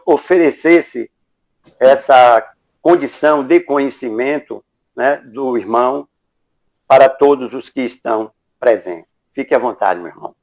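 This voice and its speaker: Brazilian guy hosting a prayer meeting, really slow and measured, formal and reverent, medium pitch. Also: a little mellow. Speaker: host leading the opening prayer. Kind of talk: solemn prayer and welcome.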